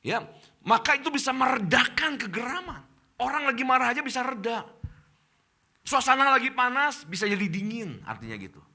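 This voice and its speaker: Lively bright-voiced male pastor preaching. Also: very high-pitched, brisk. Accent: Indonesian. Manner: addresses congregation as Bapak Ibu, animated preaching. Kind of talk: sermon. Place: church.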